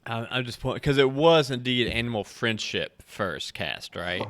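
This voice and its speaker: A man's voice: mid-range voice, lively intonation, a little slow, fairly bright tone. A man running a tabletop game as game master, narrating casually and thinking aloud with some hesitation.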